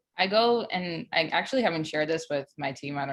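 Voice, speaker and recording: At a fairly quick pace, a woman talks in a fairly low pitch. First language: not English. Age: 20s. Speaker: life insurance agent. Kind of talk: interview on sales training call.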